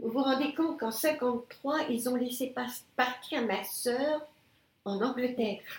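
A woman speaks in a high voice. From Paris region. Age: 80s+. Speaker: retiree sharing life story. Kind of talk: interview, personal testimony. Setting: unusual recording conditions. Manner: halting.

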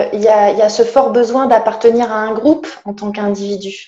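A woman with an unremarkable speaking voice talks at a fairly high pitch and a moderate pace, with ordinary pitch variation. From northern France, Lille area. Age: 30s. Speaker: life coach. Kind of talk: interview.

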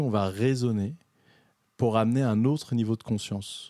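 Here a man talks in a dark, mellow tone at a fairly slow pace. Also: dry, close sound with no echo. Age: 50s. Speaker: artist and musician. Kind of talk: casual conversation. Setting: studio. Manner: hesitant, repeats words.

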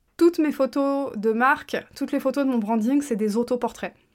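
Very clean audio of a woman, silent in the background. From France. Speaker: business coach and podcast host. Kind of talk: casual solo podcast monologue. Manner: spontaneous, with laughter.

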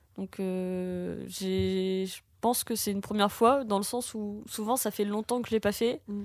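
Very slow speech from a woman at medium pitch, with fairly even intonation on a very clean recording with a silent background. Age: 20s. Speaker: makeup artist trainee, podcast guest. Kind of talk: casual chat. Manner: halting.

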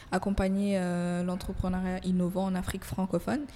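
Her pitch is fairly low for a woman, with a dark, mellow tone. She speaks at a moderate pace. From Comoros (Anjouan). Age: 20s. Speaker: coworking support officer. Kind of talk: interview testimony. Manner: hesitant, with frequent fillers.

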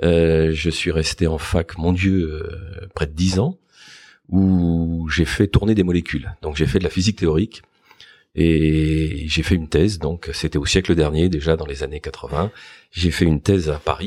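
Speaking at a fairly slow pace, a man uses a very deep, low voice. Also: fairly even intonation. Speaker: retired sales executive. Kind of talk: interview. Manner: halting.

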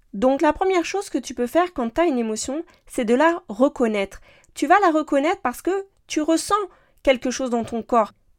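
On a very clean recording with a silent background and a dry, close sound with no echo, a woman speaks at a moderate pace with high pitch and lively intonation. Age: 40s. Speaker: parenting coach and podcast host. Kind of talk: solo podcast monologue, advice. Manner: casual, conversational.

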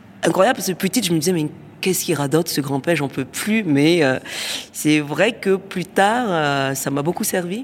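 Over noticeable background noise, a woman with a fairly low pitch talks at a fairly quick pace with lively intonation. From Côte d'Ivoire, Abidjan (Yopougon). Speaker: comic book author. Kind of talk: interview storytelling. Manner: halting, many repetitions and fillers.

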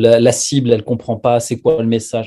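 A man's dark, mellow tone at medium pitch, with monotone, flat intonation. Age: 40s. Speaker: life coach and speaker. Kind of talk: casual interview.

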